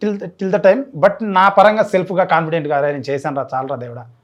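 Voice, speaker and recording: Lively intonation marks this male speaker. His tone is animated throughout. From Rayalaseema, Kadapa district, Andhra Pradesh. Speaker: YouTuber and film actor. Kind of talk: interview.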